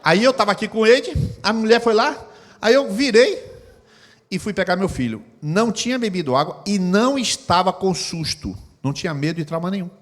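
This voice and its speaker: A high-pitched, expressive middle-aged pastor speaks a little fast as he preaches his sermon and acts out scenes with sound effects. He is in a church hall, and the audio has a long reverb.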